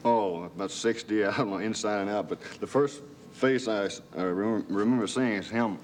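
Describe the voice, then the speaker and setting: A man's voice: lowish voice, normal speed, a little hiss or hum. A man with a Southern US accent, a modest stuntman guest giving plainspoken answers on a talk show.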